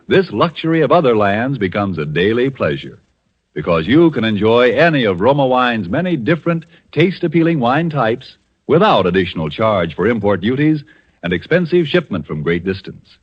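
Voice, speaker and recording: A man announcing in a 1940s radio show, reading a smooth, persuasive sponsor pitch. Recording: dull old radio broadcast.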